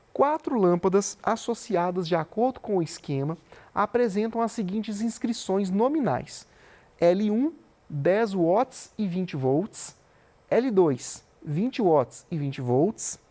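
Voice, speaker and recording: Um homem dando uma aula gravada de física, explicando com paciência e conferindo a compreensão dos alunos a cada passo. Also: male voice, sits high, a little mellow. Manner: patient, explanatory, often checks in with "tá?". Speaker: physics teacher. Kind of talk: recorded remote class lesson. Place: studio with a flip chart.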